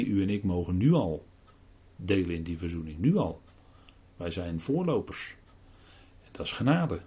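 An older man giving a halting Bible talk, full of pauses and restarts. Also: low-pitched, gravelly, darkish tone, husky, dull audio. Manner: halting, many fillers and restarts. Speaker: preacher.

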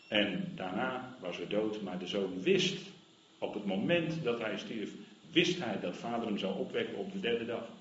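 A man preaching a sermon in an earnest, emphatic way, repeating his key phrases. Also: mid-range voice. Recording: roomy, slightly dull sound with faint noise.

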